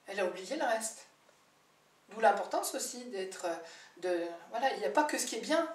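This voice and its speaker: Chatty woman speaking from far off. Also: fairly high pitch. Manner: chatty, animated, many fillers and restarts. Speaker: birth-history therapist. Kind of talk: telling client stories in a talk. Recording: roomy, distant mic with faint background noise.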